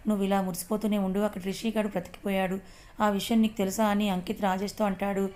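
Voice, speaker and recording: A woman's voice: mid-range voice, level tone, very fast, darkish tone, a little hiss or hum, lightly acted. A woman doing a goading young sidekick. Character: young man, gossiping sidekick friend.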